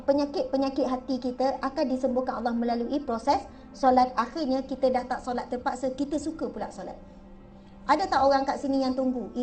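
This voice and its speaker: A woman's voice: high-pitched, a little mellow, far from the mic. A woman with a Malaysian Malay accent giving a chatty religious lecture, often asking her audience questions. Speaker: religious speaker.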